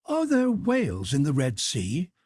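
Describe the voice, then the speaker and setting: Man doing a pedantic polite servant, way high voice, husky, very proper and earnest, audiobook character. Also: wildly swooping pitch, unhurried, a little mellow, heavily acted. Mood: curious. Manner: precise, deferential, reciting classifications.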